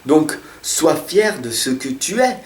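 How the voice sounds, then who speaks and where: This man's weekly tarot guidance comes in a slightly high, sing-song voice, and he takes it slowly. As a card reader, he addresses the listener directly, earnest and encouraging. Faint music plays in an echoey room.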